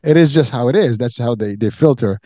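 Mellow-voiced man, earnest and rambling. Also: mid-range voice, brisk, dull audio. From Morocco. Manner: earnest, repeats words and says "you know" often. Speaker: podcast host. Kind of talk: casual interview talk.

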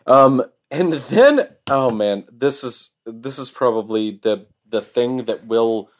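A man in the middle of an excited podcast chat, breaking down a favorite anime scene. He stumbles over his words and restarts often, and his voice sits at an ordinary middle pitch. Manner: enthusiastic, halting with fillers and restarts. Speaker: podcast co-host. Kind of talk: casual anime review chat.

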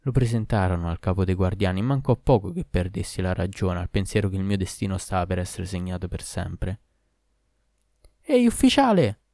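A man narrates a tale in the first person with a steady, measured delivery. His voice is low and mellow, recorded close and dry. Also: dry recording.

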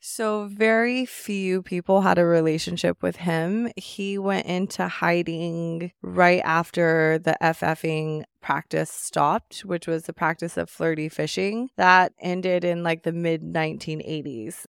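A woman in her thirties, an interviewee reflecting on her past in a calm, measured, storytelling way. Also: lowish voice, vocal fry, smooth, dry recording, clean studio sound. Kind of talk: casual interview.

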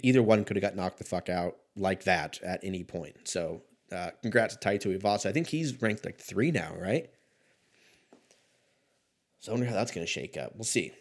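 Low-voiced, casual man in his thirties. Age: 30s. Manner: laid-back, rambling, profane. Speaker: host of a sports talk show. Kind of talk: casual solo commentary.

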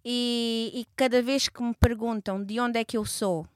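A Portuguese-born woman in her thirties speaks as a guest in a conversational interview, hesitant and reflective, with frequent fillers and restarts. Her voice is a little high and steady, a little slow, with no echo.

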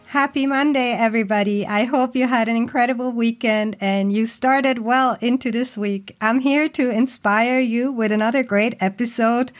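A woman's voice: a little high, fairly even intonation, moderate pace, hardly any pauses. Bubbly, chatty woman podcast host. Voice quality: bubbly, talkative. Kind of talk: upbeat podcast hosting.

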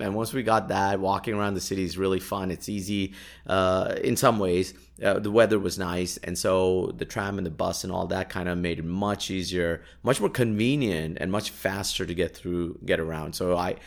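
A young man with a fairly low voice recounts his travels in a relaxed, rambling way. Urdu is his first language, and he leans on fillers and quick laughs as he goes. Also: gravelly. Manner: chatty, laughs often, many fillers and restarts. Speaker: podcast host. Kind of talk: casual travel storytelling.

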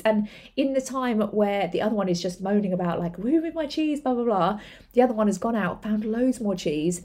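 A woman's voice: a little high, dark tone. A woman hosting a podcast, talking earnestly and chattily about business, with many fillers and repeated words. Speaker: podcast host, entrepreneur. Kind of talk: motivational monologue.

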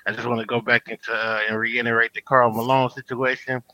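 A man's voice: mid-range voice, level tone, fairly quick, bright, forceful tone, no echo, muffled recording. A man on a group podcast, insistently cutting in to make a serious point. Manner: insistent, talks over others to make a point. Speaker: podcast guest. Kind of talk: casual group chat.

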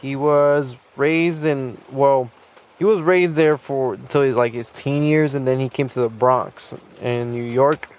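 A man's voice: medium pitch, fairly even intonation, measured pace. A young man hosting a casual solo podcast, loose and rambling with plenty of fillers, restarts and small laughs. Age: young adult. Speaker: podcast host.

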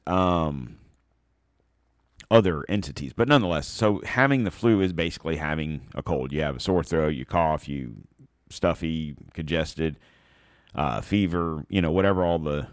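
In a studio-quality recording free of echo, a man with a low-pitched voice hosts a podcast. His political commentary is blunt and sarcastic, rambling and packed with fillers, and he sounds slightly congested.

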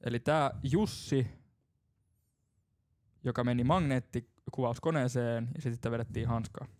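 Laughing young podcast host, dry sound. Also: male voice, medium pitch, a little mellow, no room sound. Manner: laughs often, tells stories loosely with restarts. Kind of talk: casual drinking podcast banter.

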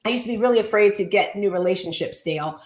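A woman hosting a motivational online talk show in a chatty, animated, exclamatory and playful way. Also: mid-range voice, fast. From Caribbean.

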